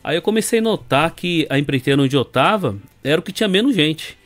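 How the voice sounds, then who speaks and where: A middle-aged Brazilian man, guesting on a podcast, relaxedly tells his story in a Brazilian Portuguese accent, rambling and leaning on fillers and tag questions. His voice runs on the high side and a little fast.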